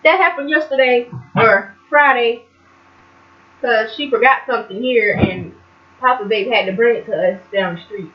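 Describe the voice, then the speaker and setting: A woman chatting in the kitchen during a family cooking vlog, a quick talker who teases and banters. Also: fairly high pitch, echoey room. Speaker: family member co-host. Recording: dull lo-fi home video sound.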